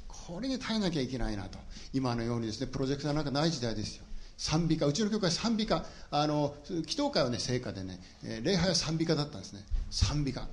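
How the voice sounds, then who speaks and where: A middle-aged man preaches a sermon in a quick, animated delivery. His slightly high voice rises and falls freely as he shares humorous personal stories with the congregation. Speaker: pastor.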